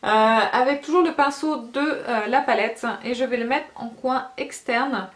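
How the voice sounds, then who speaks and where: A woman's voice: on the high side, unhurried. Chatty woman beauty vlogger, roomy echo. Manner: chatty, hesitant with many fillers. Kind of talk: casual makeup swatch talk.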